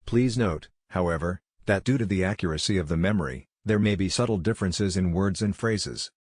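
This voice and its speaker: A man with a low voice narrates exam practice material from a script. His delivery is measured and formal, and the sound is dry and close. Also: a little mellow, no room sound. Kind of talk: scripted narration, read aloud.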